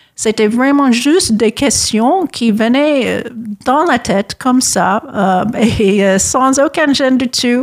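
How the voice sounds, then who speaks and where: A woman's high voice with a strong American accent, very slow in pace, with ordinary pitch variation and very even loudness. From US and Japan. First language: English (speaking French). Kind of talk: radio interview. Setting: radio studio. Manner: halting with many fillers.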